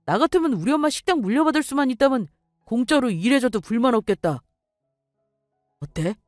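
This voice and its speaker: A woman's voice: on the high side, lively intonation, a little fast, darkish tone, dry recording, clean studio sound, soft background music, voice pushed up, close to an everyday voice. A woman voicing a young man who pushes his girlfriend to give in to his mother. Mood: pushy. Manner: pleading, pushy.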